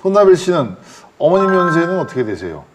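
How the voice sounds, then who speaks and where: A man in his forties teaching a language class, explaining patiently and slowly, with frequent restarts. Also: a little high, very animated, background noise. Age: 40s. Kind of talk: classroom instruction.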